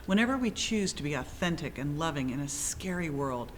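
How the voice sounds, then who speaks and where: Woman, very low voice, scripted motivational reading, slight background rumble. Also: lively intonation, a little fast, poor audio. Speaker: reader.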